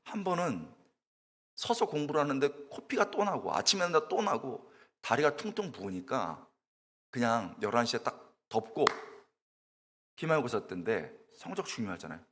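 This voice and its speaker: A man's voice: medium pitch, big pitch swings, normal speed, big-room sound, a little hiss or hum. A middle-aged man preaching a sermon to a congregation, telling stories and asking them questions directly. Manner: storytelling, shouts and wails while acting out his own tearful prayer. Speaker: pastor, guest preacher. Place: church sanctuary.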